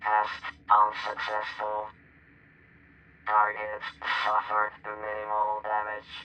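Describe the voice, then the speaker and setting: Casting: emotionless military reporter, extremely slow monotone, terse, dull radio sound in a game log. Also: male voice, lowish voice, smooth. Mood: cold, detached. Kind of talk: acted sci-fi game audio log.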